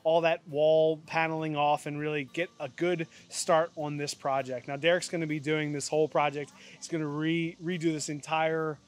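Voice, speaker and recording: A man's voice: on the high side, flat delivery, normal speed, hardly any pauses. A man in his thirties hosting his channel, talking casually and upbeat with plenty of fillers, filmed outdoors in a yard on the camera mic. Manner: chatty, upbeat, loose with fillers. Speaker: channel host. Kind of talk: casual vlog chat and outro. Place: outdoors in a yard by an old camper.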